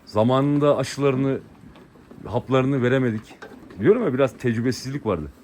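A man's voice: medium pitch, lively intonation, moderate pace, darkish tone, slight background noise. A man casually chatting to viewers in a vlog, talking fondly to his animals outdoors by a livestock pen. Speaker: vlogger raising lambs.

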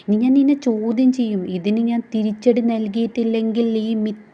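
A woman's voice: on the high side, steady tone, brisk, dark tone, close to an everyday voice. A woman voicing a jealous, scorned young woman who pleads for love and then turns bitter and threatening, on a dull lo-fi recording.

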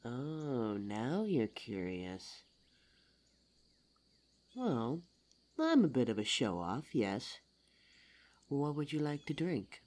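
A performer voicing a suave, teasing demon lover in an intimate ASMR roleplay audio drama, smooth-talking and formal in address. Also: mid-range voice, very animated, drawn-out words, long pauses, darkish tone. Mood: teasing, smug.

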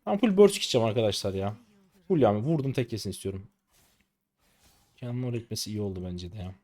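Excitable late-twenties male gamer. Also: on the low side, fast. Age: late 20s. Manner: excitable, exasperated, rough slangy banter with teammates. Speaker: gaming streamer. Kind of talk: live gameplay commentary.

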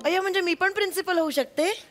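A naive, doting mother in a TV stage sketch. Her voice sits high and sounds innocent and a bit whiny. Music plays clearly behind her. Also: fast. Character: naive, doting middle-aged mother, easily flustered. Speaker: comic actress in a stage sketch.

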